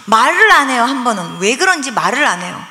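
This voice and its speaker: Woman pastor, testimony sermon, lively and bright, echoey hall. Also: a little high, fast. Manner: animated storytelling, acting out quoted voices. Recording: echoey hall with long reverb.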